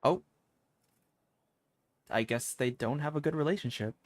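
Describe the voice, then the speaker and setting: A man's voice: medium pitch, measured pace, slight background noise. A man giving casual, rambling live commentary as he plays a video game.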